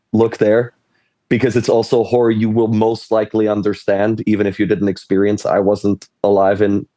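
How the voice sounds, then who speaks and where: A Swiss man, a game designer sitting on a panel, speaks in a lowish, warm voice captured in a dry recording. He rambles through the casual discussion, frequently cutting himself off and laughing.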